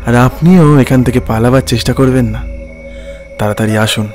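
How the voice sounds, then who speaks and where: A man playing a sinister ghostly village servant in an animated horror story, deferential yet insistent and menacing. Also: medium pitch, normal speed, faint music behind, natural voice.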